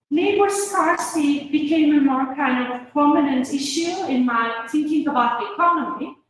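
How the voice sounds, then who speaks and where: A woman from Turkey giving an academic seminar presentation as a guest university lecturer. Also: high-pitched. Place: university seminar room, indoors. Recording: distant mic, very echoey room, faint noise.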